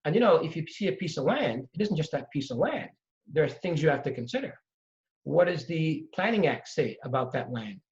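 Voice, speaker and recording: A middle-aged man from Trinidad and Tobago tells his story with lively emphasis. His voice sits a little high for a man. The audio is dull and lo-fi, as if the top end is gone. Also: a little fast. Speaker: real estate investor guest. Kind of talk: storytelling in conversation.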